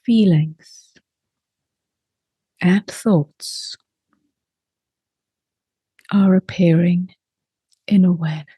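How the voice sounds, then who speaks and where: A meditation teacher, a woman, leads a guided meditation in a soft, gentle and breathy voice on the low side. She speaks in short, unhurried phrases with long pauses, her tone steady and with no echo.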